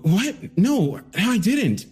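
A man's voice: sits high, big pitch swings, drawn-out words, darkish tone, slightly rough, faint music behind, voice pushed up, full character voice. A man voicing a frightened young man who stammers and pleads his innocence. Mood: pleading. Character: panicked young man accused of murder.

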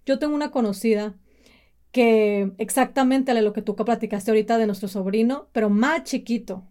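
A woman's voice: on the high side, moderate pace, dark tone. A woman, co-hosting a casual chat about parenting and acting out quoted parents in a mocking voice. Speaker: podcast co-host.

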